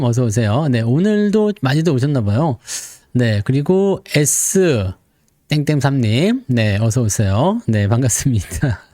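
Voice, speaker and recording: A chatty man hosts a stock market livestream and greets viewers one after another. His voice sits a little high and jumps around a lot as he jokes along. The sound is close and dry, with no room around it. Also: darkish tone, dry recording. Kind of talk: casual live-stream chat greeting viewers.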